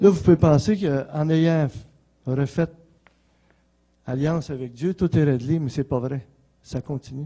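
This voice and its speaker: The voice carries a dark, mellow tone in a Quebec accent. It moves at a fairly slow pace with long, frequent pauses. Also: man, fairly high pitch for a man, ordinary pitch variation. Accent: Québécois French. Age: 60s. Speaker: church member giving testimony. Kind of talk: testimony.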